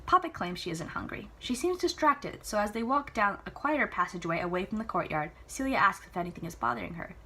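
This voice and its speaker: A woman reading a novel aloud in an enthusiastic, chatty way, adding casual asides and reactions, with a husky voice. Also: medium pitch, expressive, quick pace, few pauses, bright, forceful tone. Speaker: amateur book reader.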